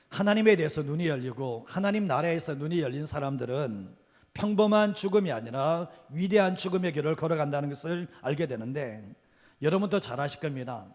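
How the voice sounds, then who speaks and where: Earnest middle-aged pastor in a reverberant church. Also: male voice, fairly high pitch, darkish tone. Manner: earnest, repeats key phrases, trails off at line ends. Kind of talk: sermon. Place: church sanctuary. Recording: long hall reverb.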